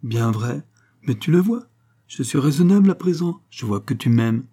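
A passionate young gypsy woman, jealous and quick to flare, her voice lifted high, as a male reader puts her on. The tone stays dark and mellow, with a husky edge under it. Heard as a storybook character in an audiobook. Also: lively intonation. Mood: fervent, jealous.

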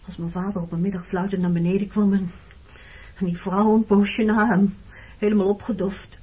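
A woman's voice: mid-range voice, flat delivery, moderate pace, slightly rough, close to an everyday voice. An actress playing a wounded, reproachful married woman in a Dutch radio play, speaking frankly about her past. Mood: confiding, fearful. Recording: dull, muffled old radio recording.

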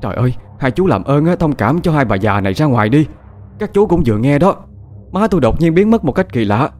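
A man's voice: fairly high pitch, big pitch swings, a little fast, a little mellow, voice pushed up. A man voicing an anxious middle-aged woman who pleads and stammers. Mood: pleading. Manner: pleading, stammering, rustic address.

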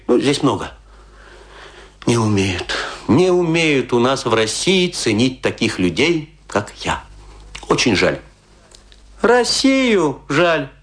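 Radio play: aggrieved, tipsy ham actor, declamatory and self-pitying, hugely animated intonation, dramatic pauses. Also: male voice, mid-range voice. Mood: wounded pride. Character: boastful, aggrieved, tipsy provincial actor ranting theatrically. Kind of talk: theatrical radio play monologue.

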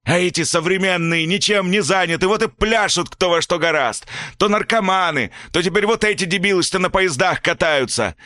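Male reader doing a raging dad, loud, coarse, high and strained, dry sound. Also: moderate pace, no room sound. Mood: lecturing. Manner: shouting, scolding, high and strained. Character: furious middle-aged father, loud and coarse.

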